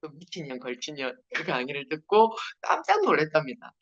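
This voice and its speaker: Talking brisk and sing-song in a low voice, a woman with a heavy Busan Gyeongsang accent leads a network marketing seminar by video call. She's chatty and laughs a lot, heard through dull, lo-fi audio.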